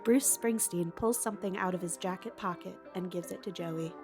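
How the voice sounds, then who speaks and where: A woman's voice: fairly low pitch, normal speed, a little mellow, soft background music. A woman narrating a comic audio drama in a playful, mock-dramatic way. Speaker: podcast host and narrator. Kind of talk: scripted storybook narration.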